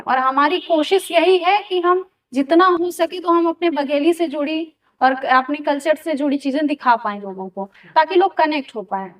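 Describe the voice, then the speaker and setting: High-voiced woman, slightly off-mic. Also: distant mic. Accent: Bagheli-region Hindi. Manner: steady, earnest, reflective. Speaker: actress, interview guest. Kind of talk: casual interview talk.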